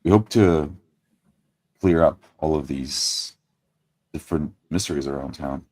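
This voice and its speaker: A man voicing a courteous, earnest adventurer in a tabletop game, speaking formally and politely with halting pauses. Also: extremely low pitch, darkish tone, no room sound.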